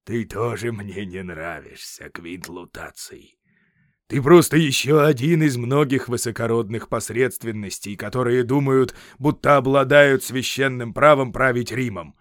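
Brief: Roman general in his fifties, blunt, unbending, scornful; audiobook narrator doing the part. Mid-pitched, dry sound. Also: unhurried, dry recording, lightly acted. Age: 50s. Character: blunt stubborn aging Roman general, man. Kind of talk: audiobook character reading.

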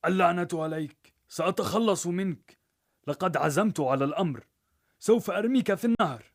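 A man voicing a stingy, middle-aged male perfume seller who shouts in fury, in a told story. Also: on the high side, very fast, pitched above the performer's own voice, close to an everyday voice. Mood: cursing. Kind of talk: storybook narration.

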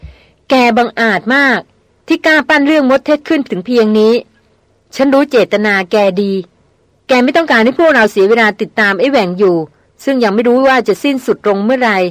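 A woman reading the part of a tough male veteran jungle hunter, telling his story in a steady, matter-of-fact way in an audiobook. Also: fairly high pitch, a little fast, no room sound, close to an everyday voice. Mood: furious.

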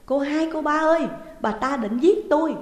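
Một người phụ nữ đóng vai cô người làm trẻ cộc lốc, hay cãi lại. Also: female voice, medium pitch, fairly quick, a little mellow, close to an everyday voice. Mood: panicked. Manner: curt, defiant. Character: blunt young maid, quick to talk back. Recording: roomy reverberant hall sound.

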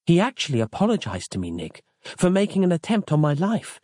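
A man lifts his voice into a capable woman agent in a storybook, clearly higher than his own voice. She speaks briskly and matter-of-factly. The recording is dry, with no room sound. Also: huge pitch swings, a little mellow, no echo. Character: calm, capable female FBI agent.

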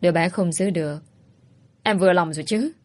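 A woman's voice: fairly low pitch, brisk, lightly acted. A woman voicing an angry young husband who speaks curtly and harshly. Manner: curt, harsh.

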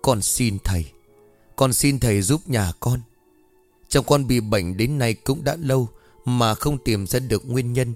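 A man's voice: medium pitch, unhurried, a little mellow, no room sound, faint music behind, close to an everyday voice. Desperate village wife, read by a male narrator; pleading, tearful.

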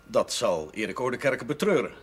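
An actor playing a witty, courteous and slightly frivolous Catholic curate in a television drama, with flowery phrasing. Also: male voice, mid-range voice, animated, moderate pace, slightly rough. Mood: polite. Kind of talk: 1970s television drama acting.

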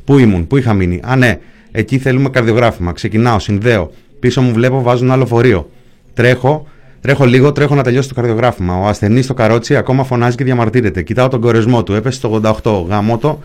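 A man's voice: medium pitch, a little mellow. A man giving a first-person narration of a hospital shift, speaking in short, clipped present-tense fragments.

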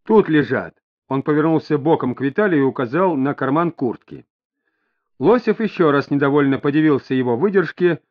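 A man narrating an audiobook in measured storytelling. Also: a little high. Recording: dull lo-fi audio.

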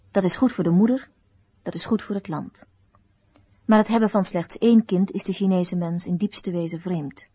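A woman's voice: mid-range voice, warm tone, husky, no room sound. A woman reading scripted narration as the announcer of a radio drama.

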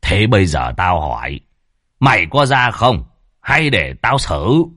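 Man doing a gruff old exorcist. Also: deep voice, sing-song, a bit bright, no room sound, clean studio sound, heavily acted. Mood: stern. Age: older. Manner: slow, gruff, commanding. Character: stern old male village exorcist, gruff.

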